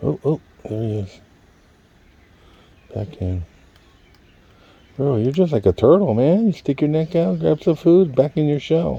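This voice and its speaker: The voice is dark, mellow and somewhat breathy, with a relaxed tone and very wide pitch swings. It moves at a fairly slow pace with long, frequent pauses. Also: man. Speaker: vlogger filming cats. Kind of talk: casual vlog narration to pets. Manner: relaxed, coaxing.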